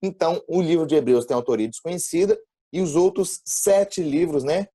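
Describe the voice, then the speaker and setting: Young brazilian guy teaching sunday school, mellow voice, keeps asking "ok?". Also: fairly high pitch, moderate pace, no room sound. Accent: Brazilian Portuguese. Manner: explanatory, checks in with "ok?" and "né?". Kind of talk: Bible class lesson. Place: church classroom.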